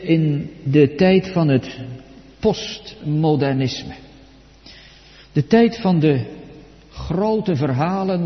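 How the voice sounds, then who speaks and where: A male pastor delivers a solemn sermon in a slightly high voice, his pitch swinging widely as he leans on key words. He speaks slowly and deliberately. The recording is dull and lo-fi, with a long church reverb trailing every phrase. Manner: solemn, emphatic preaching with slow deliberate stresses.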